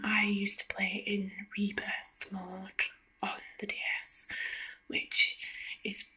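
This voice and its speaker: A woman giving a soft-spoken ASMR ramble in a hushed, hesitant whisper, meandering as she goes. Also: mid-range voice. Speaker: video creator. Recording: lo-fi close whispering.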